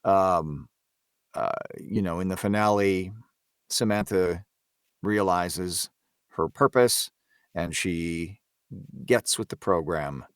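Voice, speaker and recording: A man chatting casually as a voice actor guest on a podcast, thinking aloud with halting, repeated phrases. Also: deep voice, clean tone, dry recording, studio quality. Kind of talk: casual group discussion.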